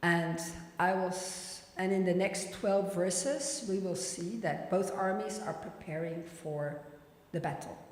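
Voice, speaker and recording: A woman with a mid-range, darkish voice gives a scripture lecture, reading the text aloud and explaining it informally and plainly. The recording is very echoey, as if in a reverberant hall.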